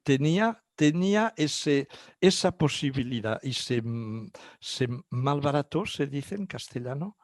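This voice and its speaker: A man's voice: mid-range voice, lively intonation, measured pace, dry recording, studio quality. An older man whose first language is Catalan, answering interview questions in a hesitant way with many fillers and restarts. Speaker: guest psychologist.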